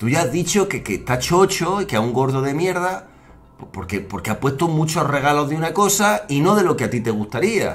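This man's pitch is fairly high, with very wide swings. He speaks at a fairly quick pace. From Spain. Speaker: gaming youtuber. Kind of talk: video commentary rant. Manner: animated. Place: home room.

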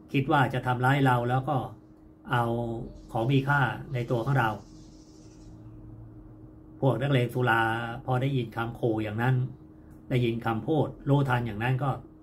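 With light background noise behind him, a man speaks in a monotone, flat way. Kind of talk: storytelling sermon. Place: home room. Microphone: phone near.

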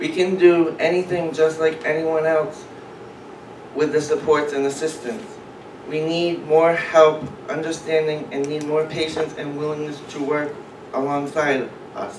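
The speech is fairly slow and flat in a monotone, with noticeable background noise. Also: man, fairly high pitch for a man. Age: 30s. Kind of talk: prepared personal testimony. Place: hall.

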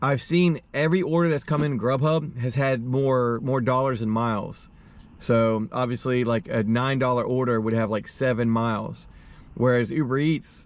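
A man at a moderate pace, with very even loudness and a dry sound with no echo. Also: ordinary pitch variation. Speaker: delivery driver vlogger. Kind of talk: casual vlog chat. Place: car. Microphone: camera far.

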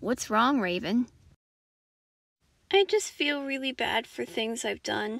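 In a cartoonish character voice with vocal fry, a woman speaks slowly at a fairly high pitch. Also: ordinary pitch variation, fairly bright tone.

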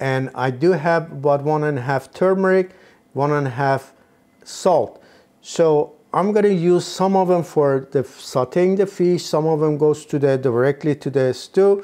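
Dark and mellow in tone, the man speaks at a fairly slow pace with ordinary pitch variation. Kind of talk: tutorial. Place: kitchen.

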